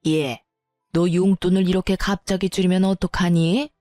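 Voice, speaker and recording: A woman's voice: on the low side, steady tone, normal speed, mellow, no room sound, studio quality, faint music behind, close to an everyday voice. A woman playing a greedy, scolding older mother-in-law. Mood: nagging. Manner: scolding, entitled, harsh.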